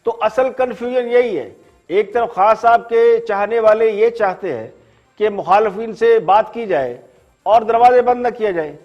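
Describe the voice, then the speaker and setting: A man with a Pakistani Urdu accent, hosting a TV show and delivering a measured, explanatory commentary monologue. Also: very high-pitched, a little mellow, lo-fi sound. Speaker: host.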